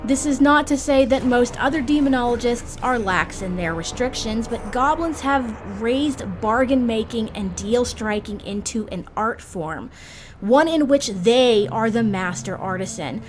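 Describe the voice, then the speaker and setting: A woman hosting a video guide, reading scripted explainer narration in measured, explanatory phrasing. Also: fairly high pitch. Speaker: host of a roleplaying guide video series. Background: background music.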